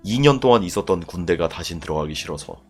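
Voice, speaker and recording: A young man casually telling a live chat a story from his army days, profane and animated, acting out voices with loud bursts. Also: low voice, quick pace, soft background music. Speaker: streamer telling army stories.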